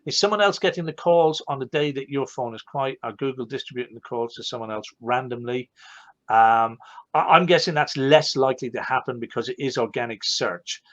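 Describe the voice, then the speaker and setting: Casting: male host with an Irish accent, chatty and animated, dull lo-fi video-call sound. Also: medium pitch, brisk. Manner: animated, rambling, self-correcting. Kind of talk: live online Q&A chat.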